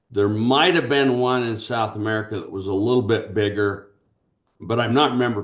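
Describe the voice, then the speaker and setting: With a quiet background behind him, a man talks at a medium pitch. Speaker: tech company CEO. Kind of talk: interview talk. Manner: hesitant, with fillers.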